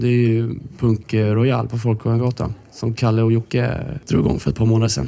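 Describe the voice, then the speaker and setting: Noticeable background noise sits under this recording. A man speaks at a medium pitch. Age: 30s. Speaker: head chef. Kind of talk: casual interview. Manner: halting, many repetitions.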